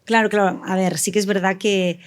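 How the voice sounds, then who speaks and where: A woman's voice: mid-range voice, level tone, a little fast. A woman with an accent from Spain, talking casually as a writer in a panel discussion. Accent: Spanish from Spain. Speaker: audio fiction writer, panelist.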